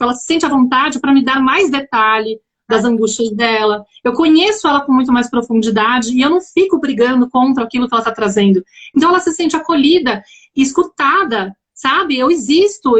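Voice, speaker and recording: Fast-talking, animated mother on a live call. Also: sits high. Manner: earnest, animated, acts out dialogues with her daughter. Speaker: guest speaker on parenting. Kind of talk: live conversation.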